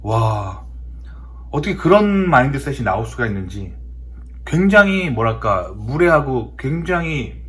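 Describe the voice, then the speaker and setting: A man's voice: mid-range voice, sing-song, a little slow, fairly bright tone. A man from South Korea talking casually in a storytelling monologue, emphatic and often repeating his words for effect. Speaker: host of a talk show.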